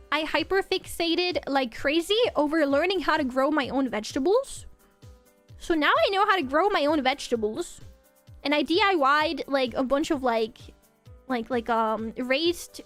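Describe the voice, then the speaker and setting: A woman's voice: high-pitched, fairly bright tone. A young woman from Norway, chatting casually with her stream viewers and often restarting and repeating her words.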